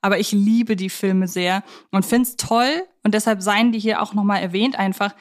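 A woman's voice: medium pitch, steady tone, normal speed. A woman with a mid-range voice co-hosts a film podcast. She speaks casually and colloquially, sounding like a keen fan sharing opinions. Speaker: podcast co-host.

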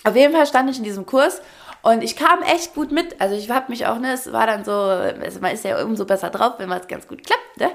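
A young woman co-hosting a podcast, telling a story in lively casual chat and acting out quotes. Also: fairly high pitch, fairly quick, creaky. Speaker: podcast co-host.

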